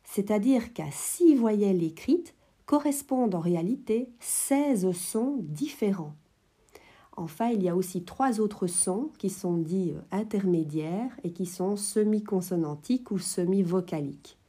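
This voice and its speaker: A woman hosting an educational podcast, explaining French phonetics in a clear, measured way. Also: mid-range voice, expressive, warm tone. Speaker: French teacher, podcast host.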